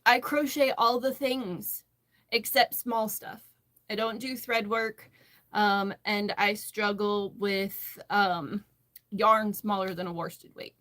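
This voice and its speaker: A woman's voice: medium pitch, fairly even intonation, takes it slowly, a bit bright. An American woman hosting a casual livestream, chatting and answering viewer comments as she goes. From western Massachusetts, United States. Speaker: livestream host, crocheter.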